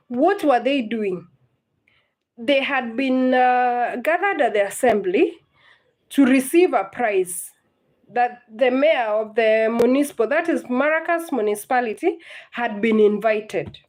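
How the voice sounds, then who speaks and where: A woman, teaching literature in a live-streamed lesson, patient and repetitive, often checking whether her students understand. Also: on the high side. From Kenya.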